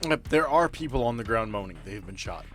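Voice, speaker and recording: A man running a tabletop game as game master, narrating scenes in a halting, improvised way. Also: lowish voice, animated, fairly bright tone, soft background music.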